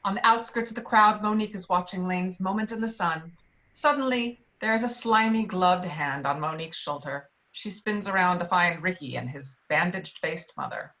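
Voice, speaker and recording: A woman's voice: on the low side, moderate pace, bright, forceful tone, muffled recording. Woman narrating screenplay stage directions.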